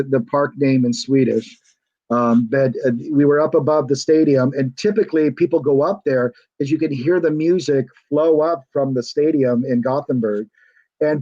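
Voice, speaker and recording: A man's voice: fairly high pitch, a little mellow, no echo, muffled recording. An American man chatting as a guest over a video call, hesitant and rambling with lots of fillers and restarts. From United States. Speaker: guest, former reality show contestant. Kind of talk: casual video call chat.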